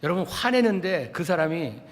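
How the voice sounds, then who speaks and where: A male pastor preaching a sermon dramatically, swinging from loud outbursts to hushed tones as he acts out prayers. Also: fairly high pitch, very animated, normal speed. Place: church sanctuary. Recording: reverberant church sanctuary.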